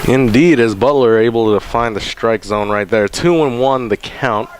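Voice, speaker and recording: A man's voice: mid-range voice, moderate pace, over music. Chatty man on baseball color commentary. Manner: chatty, joking, rambling with restarts. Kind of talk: sports commentary and banter.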